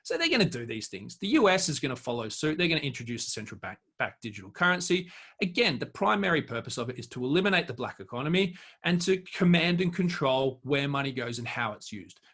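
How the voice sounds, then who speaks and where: A man's voice: mid-range voice, big pitch swings, quick pace, fairly bright tone. A man speaking as a guest expert in an interview, giving emphatic, argumentative commentary in an unscripted way.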